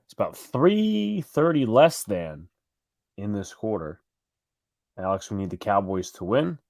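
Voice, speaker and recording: A man's voice: on the low side, big pitch swings, measured pace, vocal fry, darkish tone, no room sound, clean studio sound. A man with a New York accent co-hosting a live fan stream, calling plays and chatting with viewers in a rambling, self-correcting way. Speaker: live stream co-host doing play-by-play. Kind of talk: casual live play-by-play and fan chat.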